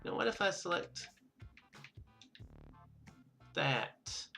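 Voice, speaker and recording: A man hosts a casual gaming playthrough in a bright, fairly high voice that swings widely in pitch. He rambles and thinks out loud as he goes. Music plays faintly behind him. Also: animated, very slow, gravelly. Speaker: gaming video host. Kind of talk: casual let's play commentary.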